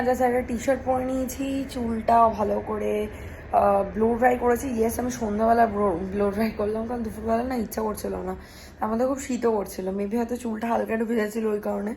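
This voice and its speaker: A woman's voice: fairly high pitch, a little mellow, rough recording. Young woman vlogging at home, chatty with lots of fillers, bit of faint noise behind. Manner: chatty, mixes English phrases, many fillers. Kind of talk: casual vlog narration. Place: home kitchen indoors.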